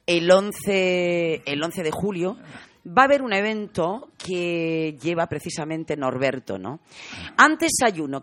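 A woman's voice: on the low side, dry recording. A woman from co-hosting live radio talk, rambling from one announcement into the next. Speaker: radio show co-host.

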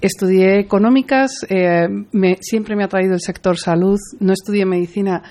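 Woman, 40s, from Madrid, interview guest, mellow tone, hesitant and earnest. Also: medium pitch, fairly even intonation, normal speed. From Madrid, Spain. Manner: hesitant, many fillers and restarts, earnest. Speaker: guest, pharmaceutical executive. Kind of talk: interview conversation.

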